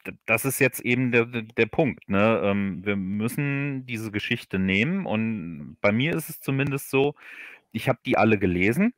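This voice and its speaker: A man with a fairly low voice, recorded close and dry. He explains things in casual interview style, halting and circling back to repeat words as he builds his point. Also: animated, no room sound. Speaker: guest audio drama writer. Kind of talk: casual interview chat on a livestream.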